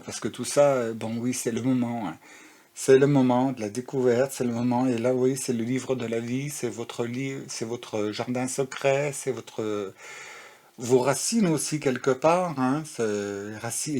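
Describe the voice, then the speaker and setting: A man's voice: medium pitch, darkish tone. Man rambling through a tarot reading. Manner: rambling, full of fillers and restarts. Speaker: tarot card reader. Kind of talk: casual spiritual guidance talk.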